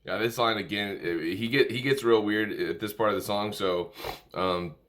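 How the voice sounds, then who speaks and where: A man's voice: fairly low pitch, normal speed, a bit bright. A man presenting an informal music tutorial, talking through notes hesitantly as if thinking aloud. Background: musical instrument playing.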